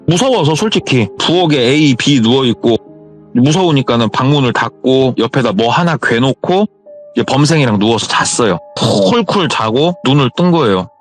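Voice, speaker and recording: A man's voice: medium pitch, animated, normal speed, faint music behind. A man casually retelling a true ghost story as a narrator, in a chatty, colloquial way. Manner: colloquial, retells with reported speech.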